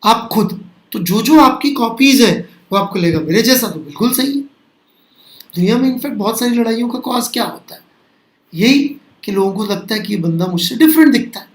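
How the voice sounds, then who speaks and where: Hindi-speaking male physics teacher, echoey room. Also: very high voice. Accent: Indian English. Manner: rhetorical, asks and answers own questions. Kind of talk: classroom lecture. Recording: echoey classroom.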